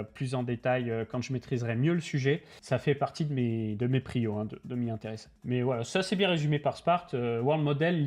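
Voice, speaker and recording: A man hosting a livestream, talking casually, bluntly and animatedly, with lots of slang and swearing. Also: medium pitch. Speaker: crypto channel host.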